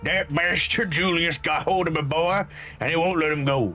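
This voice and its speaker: Over clear background music, a man puts on a gruff character voice at a fairly high pitch, speaking at a moderate pace. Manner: angry.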